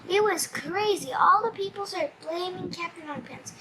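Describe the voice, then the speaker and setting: A child reading a comic storybook aloud in an animated, slightly stumbling way. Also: very high voice, normal speed.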